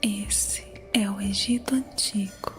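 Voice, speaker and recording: A woman narrating an ASMR guided meditation in a soothing, unhurried manner. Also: mid-range voice, steady tone. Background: music.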